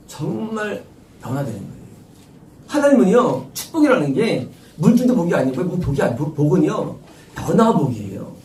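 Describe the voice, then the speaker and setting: A man's voice: on the high side, dark tone, slight background noise. A middle-aged man preaching a sermon as pastor, emphatic and repetitive, firing off rhetorical questions. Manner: emphatic, rhetorical questions, repeats key phrases. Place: church sanctuary. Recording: roomy echo, distant mic.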